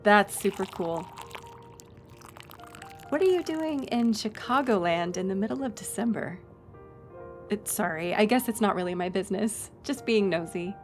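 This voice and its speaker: A woman's voice: medium pitch, expressive, moderate pace, long pauses, natural voice. Woman acting as a friendly young lady tour guide, chatty n upbeat, casual roleplay talk, music behind her. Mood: curious, enthused. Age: young adult. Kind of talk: audio roleplay, one-sided conversation with listener.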